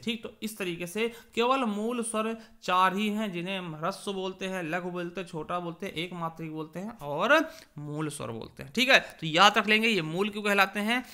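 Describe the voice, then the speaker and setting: A young male teacher with an eastern Uttar Pradesh Hindi accent leads an exam-prep grammar lesson in a high, bright voice. He asks his own questions and answers them at once. He repeats points and stretches sounds to show them. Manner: addresses listeners as friends, drawn-out examples.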